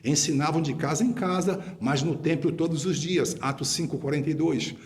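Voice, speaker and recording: A man's voice: a little high, moderate pace. Man preaching a rebuking sermon. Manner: emphatic, rebuking, repeats phrases for stress. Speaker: apostle preacher.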